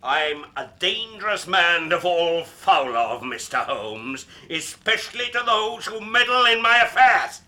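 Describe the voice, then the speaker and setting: A man's voice: high-pitched, very animated, a little slow, hardly any pauses, pushed and bright, heavily acted. An actor playing a huge, menacing older stepfather who bellows in a rage-choked voice. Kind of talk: radio drama acting.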